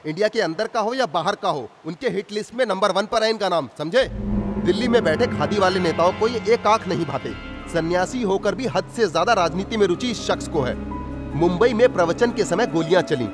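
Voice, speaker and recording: A man's voice: high voice, lively intonation, a little fast, over music. A man dubbing an arrogant, crude village strongman in a film, talking in a gloating, mocking way. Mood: warning. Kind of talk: Hindi film dub. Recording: loud film score behind.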